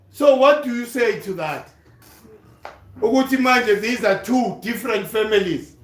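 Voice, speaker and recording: Over noticeable background noise and audible room echo, a speaker with a Zulu accent talks in an animated tone with lively intonation. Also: man. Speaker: Pan-African activist speaker. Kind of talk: political talk mixing English and Zulu.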